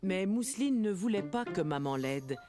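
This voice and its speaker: A woman's voice: medium pitch, sing-song, moderate pace, over music, lightly acted. A woman playing a kindly storyteller, narrating a children's cartoon for small children. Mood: storytelling.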